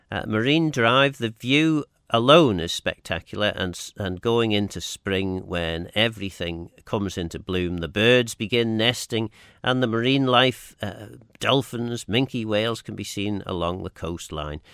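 A man's voice: on the low side, fairly bright tone, smooth, no echo, studio quality. A man with a Manx accent hosts a radio phone-in, chatting casually and reading out listeners' texts in a hesitant, rambling way.

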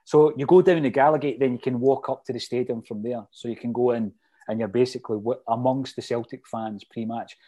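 A middle-aged Scotsman speaks in a Fife accent with a mellow, softly rounded tone at an ordinary male pitch. He chats casually, telling his memories as detailed anecdotes. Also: steady tone, brisk. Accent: Fife Scottish. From Fife, Scotland. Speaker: interview guest, lifelong football supporter. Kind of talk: casual reminiscing chat.

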